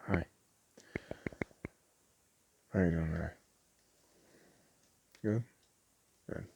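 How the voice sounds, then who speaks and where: Very deep, gravelly, hesitant man. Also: drawn-out words, dull audio, background noise. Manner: hesitant, rambling, self-deprecating. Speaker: ASMR roleplayer playing a small DVD shop owner. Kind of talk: ASMR roleplay, casual improvised sales chat.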